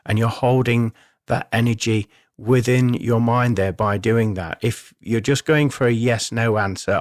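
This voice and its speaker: Man, medium pitch, instructional spiritual talk, reassuring, explanatory, dry studio-like sound. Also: no echo. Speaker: spiritual medium and radio host.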